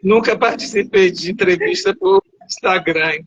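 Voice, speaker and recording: A man's voice: high voice, huge pitch swings, moderate pace, gravelly, a bit bright, dry recording. A man from Salvador, Bahia, a writer guest in a live video interview, who rambles and corrects himself mid-sentence. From Salvador, Bahia, Brazil. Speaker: author guest. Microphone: video call. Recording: dull, dry video call audio.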